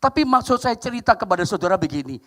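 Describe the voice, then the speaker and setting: A man preaching a sermon, telling a story with lively acted-out quotes and sound effects. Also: high-pitched, fast talker. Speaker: pastor. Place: church sanctuary.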